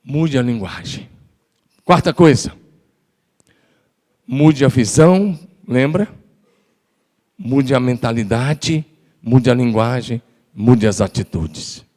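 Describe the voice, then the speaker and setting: A man's voice: medium pitch, takes it slowly, pauses often, warm tone. A middle-aged man preaching a sermon in a large church, telling personal stories and building to emphatic exhortation. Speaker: pastor.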